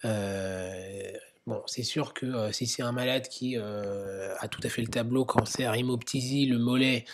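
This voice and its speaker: A man's voice: mid-range voice, steady tone, measured pace. A man giving a slide lecture on medical guidelines, explaining step by step with frequent hesitations and occasional whispered asides.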